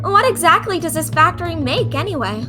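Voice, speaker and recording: A woman's voice: extremely high pitch, sing-song, fairly quick, music in the background. A woman playing a perky, inquisitive young female sightseer in a fan audio drama, with a bubbly manner. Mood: baffled.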